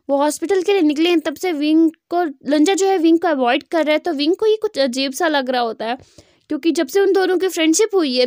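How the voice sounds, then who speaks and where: A woman's voice: high-pitched, a little mellow, no room sound, clean studio sound. A woman casually retelling a fan fiction story in a chatty way, full of fillers. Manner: chatty, with many fillers and restarts.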